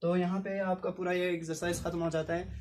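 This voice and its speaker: A male teacher giving a classroom English lesson, explaining in Hindi and reading English example sentences slowly. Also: sits high, level tone, darkish tone, slight background noise. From Ladakh, India.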